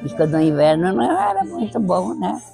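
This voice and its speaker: A woman's voice: fairly low pitch, huge pitch swings, a little fast, vocal fry, mellow, soft background music. An eighty-year-old woman with a southern Brazilian accent and Italian as her first language, reminiscing in an interview on a lapel mic. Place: outdoor terrace. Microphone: clip-on lapel mic.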